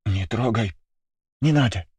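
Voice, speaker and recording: A man voicing a timid young girl with rabbit ears, speaking in a hushed, hesitant whisper. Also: lowish voice, moderate pace, dry recording, voice pushed up, natural voice. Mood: fearful.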